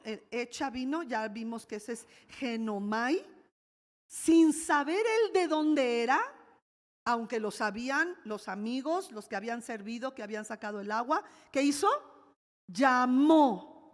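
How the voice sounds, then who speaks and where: A woman pastor with a Mexican accent preaching a sermon, lively, with laughing asides and sudden exclamations. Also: high-pitched. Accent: Mexican Spanish. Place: church hall. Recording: long hall reverb.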